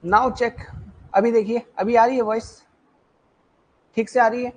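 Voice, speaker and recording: A man's voice: extremely high pitch, little pitch movement, a little slow, dull audio. Man teaching an online exam class. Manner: repeats himself, checks in with listeners. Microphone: own mic in a live online session.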